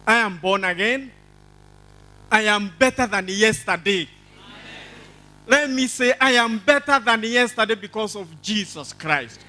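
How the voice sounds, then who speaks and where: An older Kenyan man addresses a church congregation with exuberant, declamatory delivery. His voice is high and bright, and he takes his time, repeating phrases to drive them home. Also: animated, a little slow, pauses often. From Embu County, Kenya. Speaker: church testimony speaker. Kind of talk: church testimony, preaching to a congregation. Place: large church hall stage. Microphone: handheld microphone.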